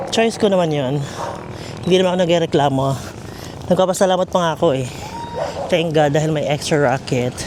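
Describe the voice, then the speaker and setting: A man with a fairly high voice speaks very fast yet leaves long, frequent pauses. Background noise is noticeable. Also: ordinary pitch variation. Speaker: vlogger. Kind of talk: casual vlog while walking. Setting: outdoors walking. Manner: speaking more softly because of the mic.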